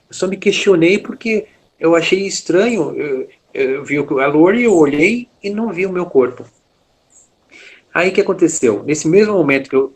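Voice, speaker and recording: A man with a Brazilian Portuguese accent shares a personal testimony with an interviewer. His voice sits slightly high for a man. He talks haltingly, tagging phrases with fillers and restarting his sentences. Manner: frequent filler "né", hesitant restarts. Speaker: interview guest.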